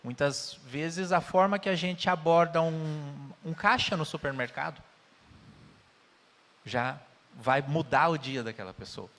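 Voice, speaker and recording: A man's voice: on the high side, measured pace, fairly bright tone. A man with a Brazilian Portuguese accent giving an earnest spiritist talk, telling stories with quoted dialogue. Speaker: spiritist lecturer. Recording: reverberant hall.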